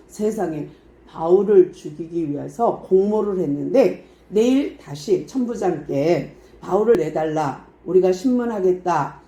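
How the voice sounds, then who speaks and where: A woman's voice: fairly low pitch, mellow. A woman voicing a frightened young man in a Bible story, speaking urgently and pleadingly, close to tears. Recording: echoey room.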